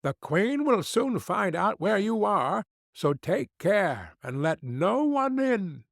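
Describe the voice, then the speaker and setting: A man's voice: high-pitched, big pitch swings, slow pace, vocal fry, no echo, studio quality, pitched above the performer's own voice, heavily acted. A man voicing seven little dwarfs in an audiobook, asking indignant questions in turn. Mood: warning. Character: seven little male dwarfs, fussy and puzzled.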